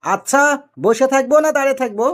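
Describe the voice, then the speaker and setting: Woman voicing a high-pitched, pestering cartoon husband. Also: fast, close to an everyday voice. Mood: innocently persistent. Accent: Rajshahi Bengali. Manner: innocently questioning, persistent. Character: maddeningly literal, pestering cartoon husband, cheerfully obtuse. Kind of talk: comic cartoon dialogue.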